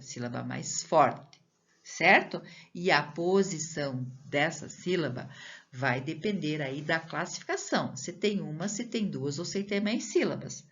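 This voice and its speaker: A Brazilian woman teacher speaks slowly and patiently in a fairly low voice that rises and falls a great deal as she leads children through a recorded lesson. She draws out each syllable and keeps checking in with the pupil. The recording sounds a little dull and lo-fi. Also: a bit bright. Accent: Brazilian Portuguese. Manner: slow, patient explaining with drawn-out syllables and frequent questions to the pupil.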